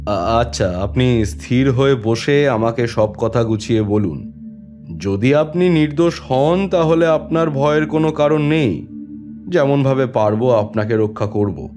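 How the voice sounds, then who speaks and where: An actor playing a calm, authoritative police inspector who narrates his own case in a dramatised detective story, measured and composed. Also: medium pitch, close to an everyday voice. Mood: firm, reassuring. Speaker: story reader and lead actor. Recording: long reverb, music bed behind.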